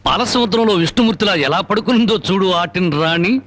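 A man's voice: sits high, quick pace, a bit bright, a little hiss or hum. An actor playing a fiery, defiant man who confronts a village elder and mocks a kidnapped girl, in a film soundtrack with music behind. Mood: mocking. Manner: fierce, mocking speeches. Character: fiery defiant male avenger Rambabu. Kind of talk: Telugu film drama acting.

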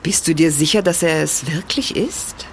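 An actress playing a spirited, publicity-shy woman in an audio drama, speaking in an expressive, questioning way. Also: low-pitched, normal speed, slight background noise. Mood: puzzled, curious. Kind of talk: German audio drama acting. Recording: music under the voice.

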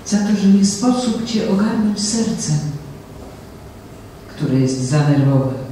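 Slow, mellow woman reciting poetry. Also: medium pitch, expressive, a little hiss or hum. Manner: slow, measured, solemn recitation. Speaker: poetry reader. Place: small venue on a stage before an audience. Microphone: handheld mic, from a distant camera. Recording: very echoey room heard from far off.

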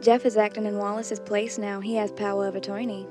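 A woman's voice: mid-range voice, little pitch movement, brisk, over music, close to an everyday voice. An actress playing a worried, resigned wife of an injured man in a 1930s radio drama.

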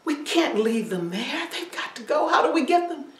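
A woman's voice: sits high, sing-song, moderate pace, voice pushed up. A woman voicing a frightened young mother in a told story, protesting and unsure. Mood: pleading. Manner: anxious and protesting. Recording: roomy, from a distance.

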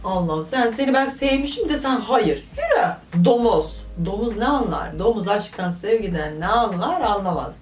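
A woman's voice: mid-range voice, moderate pace, few pauses. Brief: young woman vlogger, exclamatory comic commentary, recorded at a distance from the mic. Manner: animated, joking, exclamatory. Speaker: vlogger reading viewer stories. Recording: roomy, voice from off the mic.

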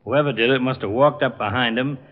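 An actor playing an earnest police lieutenant in an old radio drama, plain-spoken and matter-of-fact. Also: male voice, medium pitch, brisk, lightly acted. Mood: grim, matter-of-fact. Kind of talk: 1950s radio drama acting. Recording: muffled old radio recording.

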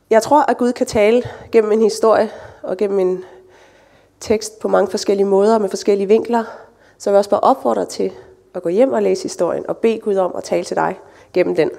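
A woman delivers a sermon in a relaxed, conversational way, slipping in light asides. Her voice sits at a medium pitch and has a warm, mellow tone. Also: vocal fry. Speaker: church speaker. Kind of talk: sermon with scripture reading.

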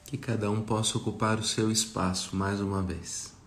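A Brazilian man leading a guided meditation talk for a group, speaking reflectively with long pauses. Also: on the low side, level tone. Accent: Brazilian Portuguese. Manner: slow, pausing, reflective. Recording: roomy echo, faint music behind.

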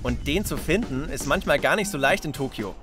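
A man's voice: a little high, lively intonation, fairly quick, over music. A young man presenting a children's reportage, explaining things simply in short, casual sentences. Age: young adult. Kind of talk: lively explanatory narration and casual chat for children.

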